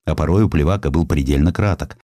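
A man's voice: a bass voice, fast, dark tone, no room sound, studio quality. A man narrating historical sketches as a theatrical storyteller in a dramatized audiobook.

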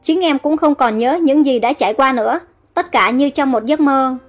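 A bewildered, emotional young heroine from a storybook, read by a woman with a high voice, pleading and soft. Quiet music plays beneath. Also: normal speed, lightly acted. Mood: tearful.

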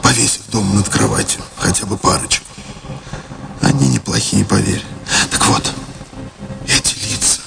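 A man's voice: lowish voice, normal speed, gravelly, long pauses. An actor playing an exuberant, romantic and dreamy male painter in a radio drama, with theatrical delivery. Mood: hushed, dreamy.

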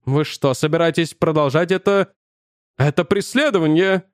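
A shrill, high-strung older male professor who keeps accusing and insisting, his voice pushed up high, as a male audiobook narrator puts him on. The recording is dry and close, with no room sound. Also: moderate pace, smooth, no room sound, close to an everyday voice. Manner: accusing, insistent, increasingly frantic.

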